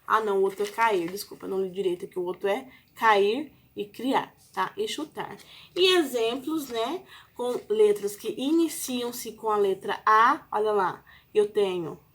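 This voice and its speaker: A Brazilian woman teaches a spelling lesson at an unhurried pace, her voice sitting at an ordinary middle pitch. She leans on each example word, stretching it out patiently for her pupils. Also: a bit bright. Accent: Brazilian Portuguese. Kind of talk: recorded classroom lesson.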